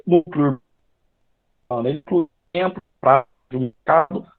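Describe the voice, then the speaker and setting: A male teacher with a Brazilian accent lecturing halting over a video call whose audio keeps freezing and breaking up. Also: on the high side, no echo, phone-quality sound. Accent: Brazilian Portuguese. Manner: halting, with many restarts and fillers. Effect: choppy, freezing video call audio. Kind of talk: online class lecture.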